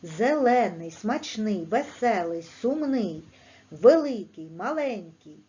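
A Ukrainian primary school teacher gives an online language lesson for children in a mellow voice with a lively pitch. She speaks slowly and clearly in a sing-song teacher manner, and the sound is lo-fi.

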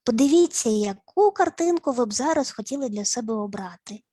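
A woman psychologist leading grounding exercises in an online session, speaking in a slow, instructive way with repeated words and playful sounds. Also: fairly high pitch, lively intonation, warm tone, dry recording. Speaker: family and child psychologist. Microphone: video call.

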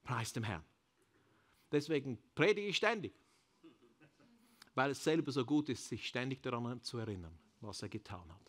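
A Swiss-accented man preaches a sermon in a church service. He builds fervently to loud, ringing calls and then lets each phrase fall away quietly. English phrases slip into his talk now and then. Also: medium pitch, expressive, normal speed, long pauses. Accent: Swiss German. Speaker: pastor.

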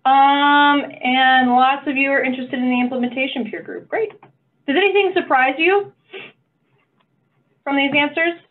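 A woman's voice: high voice, a little slow, pauses often. A woman running an online stakeholder meeting, upbeat and encouraging with playful asides. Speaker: meeting facilitator. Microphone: video call. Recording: phone-like video call audio.

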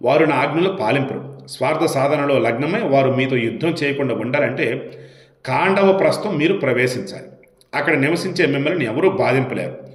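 A man reading the lines of an aged, commanding and anxious king in solemn, measured commands. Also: medium pitch, animated, natural voice. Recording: roomy echo.

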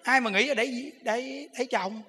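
A man's voice: very high-pitched, a little fast, pushed and bright, breathy edge, in a large hall. A man with a Southern Vietnamese accent, a Buddhist monk giving a humorous, chatty sermon full of rhetorical questions. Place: temple hall.

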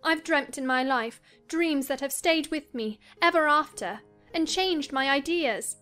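A woman playing a willful, troubled young gentlewoman in a dramatized audiobook, earnest and dramatic. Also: sits high, measured pace, voice pushed up. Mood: troubled, confiding. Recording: music under the voice.

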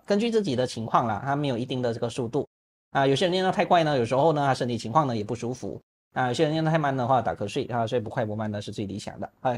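Brisk, jokey man giving a Buddhist talk. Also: medium pitch, husky. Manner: lively, humorous, acts out examples; frequent filler particles like "呢" and "啊". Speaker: Buddhist monk teaching. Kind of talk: Dharma talk answering questions. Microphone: online video call.

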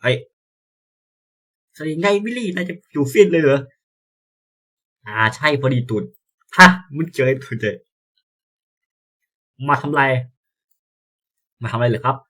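A young man commentating as he plays a visual novel, excitable and swearing, sometimes stumbling over words. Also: medium pitch, slow pace, pauses often. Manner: excitable, yelps and swears at scares; reads game lines aloud, stammering. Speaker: gameplay streamer. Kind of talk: casual let's-play commentary.

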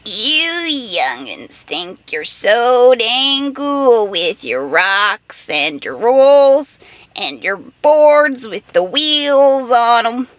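Grumpy old country codger, real slow drawl, swoopy, dull dry sound. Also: female voice, fairly high pitch, big pitch swings, a bit bright, dry recording, full character voice. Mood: cranky. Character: cranky old-timer grumbling at youngsters. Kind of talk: character demo reel.

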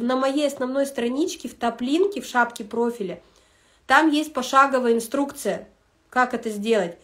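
Woman, somewhat high voice, chatty, rambling livestream talk, fillers and restarts. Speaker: online wellness school host. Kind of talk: casual livestream talk to followers.

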